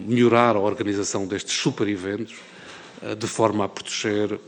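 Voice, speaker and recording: A middle-aged man from the Algarve with a European Portuguese accent, giving a formal address at a parliamentary hearing, measured and full of hesitations. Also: fairly low pitch, gravelly, in a large hall. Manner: measured, with many filler "eh"s and restarts. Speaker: member of parliament chairing a hearing. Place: parliament committee room.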